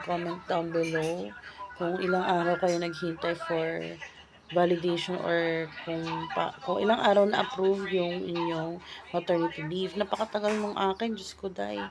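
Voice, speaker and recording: Gravelly-voiced woman venting at home. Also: on the low side. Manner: chatty, ranting, exasperated. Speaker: vlogger. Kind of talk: casual vlog chat. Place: home bedroom.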